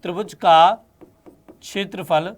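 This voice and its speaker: Slow and steady in tone, a man with a high voice explains maths solutions to his students one step after another. He is patient, refers to them as "beta" and "bachche," and keeps checking whether they follow.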